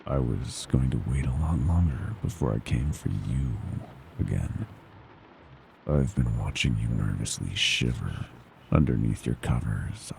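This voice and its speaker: Horror ASMR monster: male, predatory, mockingly tender, heavy gravelly creak, swooping intonation that slips into whispers. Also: a little mellow, a little hiss or hum, full character voice. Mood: hungry, savoring. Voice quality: very deep, gravelly creaking growl. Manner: menacing, slow and savoring, mockingly tender, slipping into whispers. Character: gleeful predatory male monster from under the bed.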